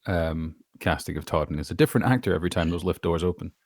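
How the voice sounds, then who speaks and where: Man voice actor chatting, low voice, very dry sound, casual. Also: fast, a little mellow, no room sound. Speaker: voice actor being interviewed. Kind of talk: casual chat.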